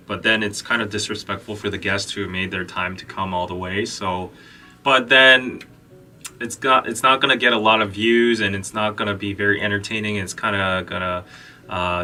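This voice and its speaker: A man's voice: on the low side, sharp tone, far from the mic, slight background noise. A young man from Korea hosting a live podcast stream, chatting casually with lots of fillers and restarts. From South Korea. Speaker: podcast host. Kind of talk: casual live-stream chat and news reading.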